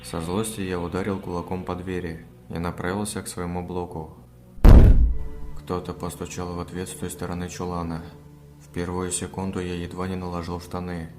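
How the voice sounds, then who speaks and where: A man reading a horror story aloud in a calm, measured, even way as its narrator. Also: deep voice. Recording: music playing under the voice. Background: background music.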